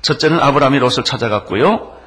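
Husky guy pastor giving a sermon, voice bouncing all over, punchy then quiet. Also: medium pitch, fast talker. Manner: emphatic preaching with lively swings between loud stresses and soft drops.

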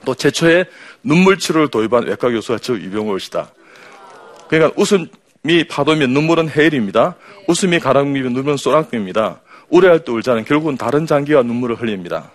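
A middle-aged man, a surgeon, giving a faith-based health lecture, humorous and lively, rattling off lists and prompting the audience. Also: medium pitch, quick pace.

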